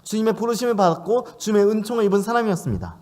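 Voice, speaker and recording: A man's voice: high voice, animated, racing, darkish tone. A man preaching a sermon in church, asking questions of his listeners as he speaks. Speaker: pastor.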